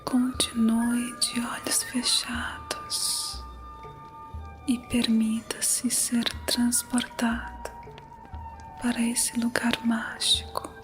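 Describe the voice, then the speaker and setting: A woman whispers a guided meditation story at an extremely slow pace. Her delivery is soothing and unhurried, in ASMR style, with music playing behind her voice. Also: on the high side, sing-song.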